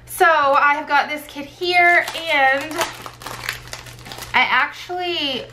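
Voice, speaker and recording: Hoarse, higher-pitched woman vlogging. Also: slow. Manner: rambling, thinking aloud. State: sick, losing her voice. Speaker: planner vlogger and sticker shop owner. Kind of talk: casual chatty plan-with-me vlog. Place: indoors at a desk. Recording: clear background noise.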